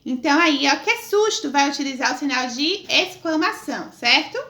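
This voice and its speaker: Woman teacher, high voice, affectionate, stretches words for young kids. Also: normal speed, sharp tone. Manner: affectionate, calls herself auntie, stretches words for children. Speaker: primary school teacher. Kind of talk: remote video lesson for young children.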